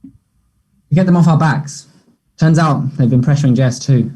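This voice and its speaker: A man playing an awkward, earnest young gay man who is apologetic and unsure, speaking haltingly in a play table read. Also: mid-range voice, mellow, close to an everyday voice. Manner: hesitant, halting.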